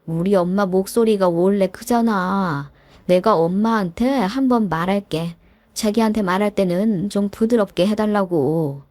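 A woman's voice: mid-range voice, a little slow, a little mellow, no room sound, close to an everyday voice. A woman voicing a mild, oblivious young husband in a read story. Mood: placating.

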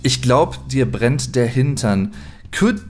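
Lively, unhurried German man thinking aloud. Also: medium pitch, faint music behind. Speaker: language video host. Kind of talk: casual language lesson. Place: small room indoors.

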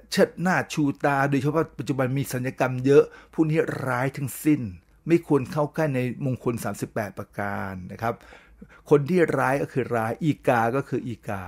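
A man's voice: medium pitch, a little mellow. An older man hosting a radio talk show, lecturing in an emphatic, preachy way and often asking listeners to agree. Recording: radio broadcast.

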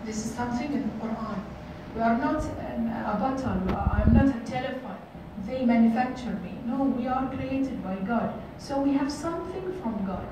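A woman's voice: a little high, moderate pace. Earnest middle-aged woman speaking in echoey hall. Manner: earnest, repeats phrases, many fillers. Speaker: workshop speaker. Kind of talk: motivational talk to youth. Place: large hotel conference room. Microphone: far camera. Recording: echoey room from far off, noisy.

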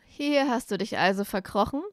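A woman's voice: on the high side, normal speed, no room sound, clean studio sound, lightly acted. A woman doing a hot-headed young wizard friend. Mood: urgent. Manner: urgent, pushy.

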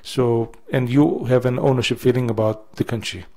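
A middle-aged man speaks at a panel table. His voice has a gravelly, fry-edged texture, and his manner is plain and steady. He sits at a table in a university lecture hall. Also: mid-range voice, normal speed. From Russia. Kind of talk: panel self-introduction.

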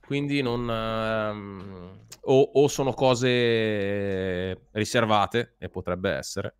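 A man co-hosting a casual live-stream match reaction, chatting in a relaxed way. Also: on the low side, drawn-out words, smooth. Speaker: co-host on the stream.

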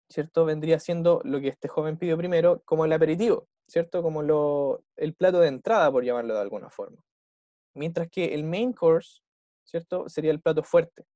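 Walking his class through a recorded dialogue, a Chilean-accented English teacher patiently asks short check-in questions like "¿ya?" and "¿cierto?" after each point. He has a fairly high, mellow voice, recorded with no echo.

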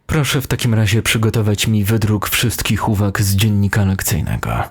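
A man's voice: on the low side, animated, normal speed, vocal fry, husky, full character voice. A man reading the part of a stern, threatening detective in an audio horror story, curt and menacing. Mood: businesslike.

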